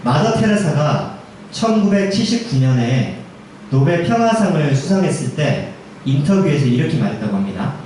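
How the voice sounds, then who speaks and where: A man's voice: a little high, sing-song, normal speed, a little mellow, slight background noise. Man preaching in an echoey hall. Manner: conversational, asks the congregation questions. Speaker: junior pastor. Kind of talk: sermon. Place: church sanctuary. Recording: echoey church hall, mic far off.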